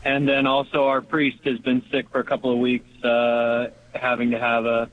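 A man calling in to a radio show, speaking haltingly with many pauses. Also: mid-range voice, monotone. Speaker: caller. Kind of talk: phone-in request. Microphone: telephone. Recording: phone line.

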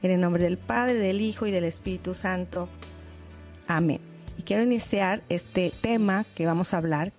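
Mellow-voiced woman hosting Catholic radio. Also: on the low side, faint music behind. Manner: measured, prayerful reading. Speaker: radio host. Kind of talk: Catholic radio talk with prayer.

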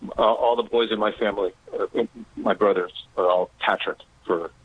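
A man calling in to a radio show, talking thoughtfully with many halting restarts over a phone line. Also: on the low side, fairly even intonation, breathy edge. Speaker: radio caller. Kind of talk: phone-in chat.

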